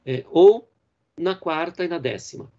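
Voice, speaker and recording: A man's voice: fairly high pitch, lively intonation, dark tone. Brazilian man lecturing on poetry, muffled. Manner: explanatory, with frequent "né?" and "é" fillers; reads verse lines slowly and deliberately. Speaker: literature professor.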